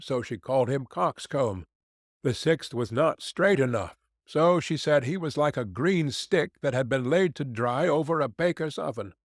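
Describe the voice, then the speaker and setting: A man's voice: mid-range voice, dry recording, clean studio sound. A man narrating a fairy tale audiobook, giving the characters' lines their own voices. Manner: slow, lively storytelling with voiced quotes.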